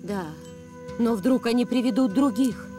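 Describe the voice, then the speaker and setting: A woman's voice: fairly high pitch, over music, natural voice. Woman playing a solemn cartoon tribal leader. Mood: wary, grave. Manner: measured, solemn storytelling. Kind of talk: animated adventure cartoon dub.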